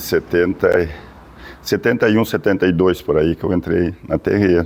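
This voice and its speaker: Very deep and low in pitch, a man's voice shows ordinary pitch variation. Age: 70s. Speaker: Afro-Brazilian religious elder. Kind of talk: documentary interview testimony.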